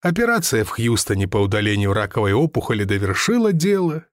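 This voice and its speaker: A man's voice: fairly low pitch, sing-song, fast, no room sound, studio quality. A man reading an audiobook, voicing a touchy, formal older lottery seller who talks in a pompous, stiffly polite way. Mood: rueful.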